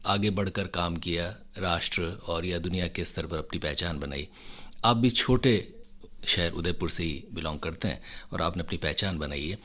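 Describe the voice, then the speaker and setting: A man interviewing a guest on the radio, asking formal, measured questions. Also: low voice, pushed and bright.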